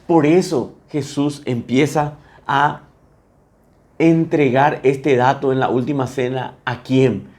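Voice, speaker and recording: A male pastor, preaching a sermon with feeling, swinging between loud bursts and hushed lines. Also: medium pitch, fairly even intonation, slow.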